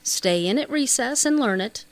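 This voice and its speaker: A woman's voice: a little high, lively intonation, moderate pace, natural voice. A stern schoolmaster from a storybook, voiced by a woman narrator. He speaks in a controlled, formal way, with clipped and patient authority.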